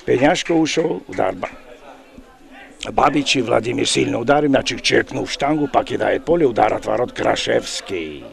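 A male sports commentator with a gravelly, creaky voice of medium pitch. He calls the football live in an excited, exclamatory way, drawing out his cries as he follows the play.

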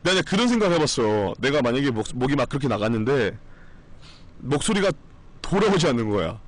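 A male streamer talks loosely with his viewers in a strained voice that is still recovering. His pitch swings about in a lively way as he rambles, bluntly and with the odd curse. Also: brisk. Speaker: live streamer. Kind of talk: casual live-stream chat.

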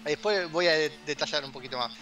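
A man with an Argentine Rioplatense accent chats casually as a podcast co-host, drifting into asides. His voice sits a touch higher than most men's, and music plays clearly in the background. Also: fast talker, bright, forceful tone, muffled recording. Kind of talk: casual chat.

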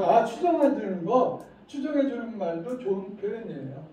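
A middle-aged man giving a lively lecture to parents, acting out how parents scold and leading the room in reciting phrases. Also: high-pitched, measured pace. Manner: animated, acts out scolding parents, leads group recitation. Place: lecture hall. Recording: echoey hall, distant mic, dull faint noise.

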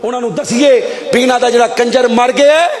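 A man in his thirties with a Punjabi accent, preaching an impassioned sermon into a close mic, often shouting and calling on the crowd to answer. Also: very high voice, steady tone, brisk. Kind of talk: fiery sermon. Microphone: stand mic close up.

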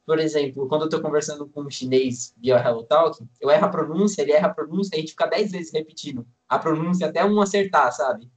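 A man's voice: a little high, fast, few pauses, rough recording. A nineteen-year-old man, a language student, talking casually on a video call from home, easygoing and enthusiastic, a bit rambling. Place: room at home, indoors. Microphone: computer mic on a video call.

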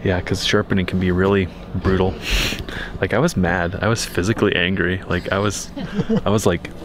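A man's voice: low-pitched, normal speed, background noise. A man, the homeowner, chatting casually on camera at an outdoor building workshop and telling stories in a rambling way. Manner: rambling, animated storytelling.

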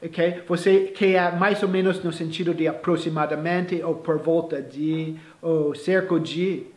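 In a casual bilingual lesson, a man with a high, light voice teaches English phrases at an easy, measured pace and fairly even intonation. He frequently restarts sentences and slips English words into his explanations, while the room rings with echo.

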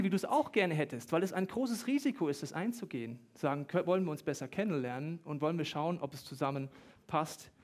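A high-voiced young man gives a sermon as a pastor, with quick jokes and an animated, playful delivery. He sometimes rushes ahead faster than his thoughts. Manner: lively, joking, talks fast at times.

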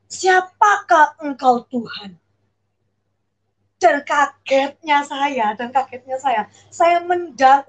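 Middle-aged woman, high pitch, emotional faith testimony, hesitant with fillers. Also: poor audio. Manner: earnest, emotional, halting with fillers. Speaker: testimony guest. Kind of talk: personal conversion testimony.

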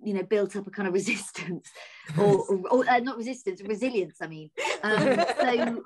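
A woman speaks in a thoughtful, hesitant way, stopping to rephrase as she goes. Her voice sits at a middle pitch for a woman and comes through a laptop on a video call. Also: normal speed, a little mellow, a little hiss or hum. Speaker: soap actress. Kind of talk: casual interview chat.

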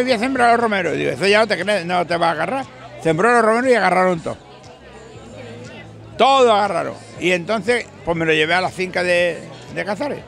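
Older andalusian guy rambling outdoors at night, gravelly bright voice, music and crowd faint behind. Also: high voice. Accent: Andalusian Spanish. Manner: rambling, folksy, emphatic. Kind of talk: casual chat. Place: beach bar terrace at night, outdoors. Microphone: handheld mic held by interviewer.

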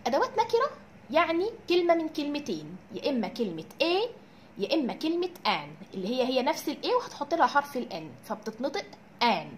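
A woman with an Egyptian Arabic accent teaching English vocabulary, drilling each word with slow repetitions and asking and answering her own questions. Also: sits high, big pitch swings, a little hiss or hum. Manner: drills words with slow repeated pronunciation. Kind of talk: recorded classroom lesson.

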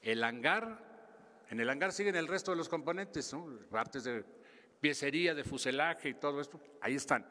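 A Mexican man in his seventies answering press questions in a halting, emphatic way, often repeating himself. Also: a little high, expressive, sharp tone. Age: 70s. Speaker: government official at press conference. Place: large indoor press conference hall. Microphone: podium microphones. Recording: reverberant hall, podium microphone.

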